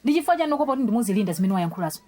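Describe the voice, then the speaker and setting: A woman's voice: mid-range voice, very animated, rapid-fire, dark tone. An actress playing a scornful young pious female student in a radio drama, with a Malawian accent and a blunt, scolding, mocking way of talking. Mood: stern, dismissive.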